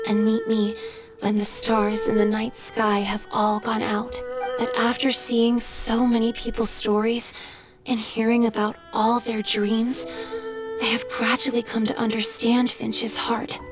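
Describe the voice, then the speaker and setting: A woman voicing a gentle, wistful female water spirit who speaks softly and earnestly in video game dialogue. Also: on the high side, a little slow, music in the background, lightly acted. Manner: soft, earnest, confiding.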